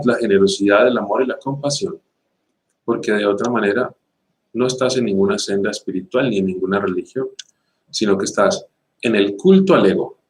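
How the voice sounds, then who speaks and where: A man with a fairly low voice delivers a spiritual teaching. He speaks emphatically and rhetorically, piling up repeated phrases, and turns slow and calm when he guides a meditation. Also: low-quality recording.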